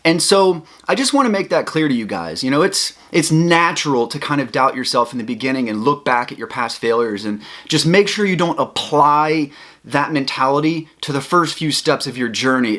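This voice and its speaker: Young guy vlogging at home, kinda high voice, earnest and pumped up. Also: a bit bright. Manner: earnest, motivational. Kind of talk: casual vlog talk to camera.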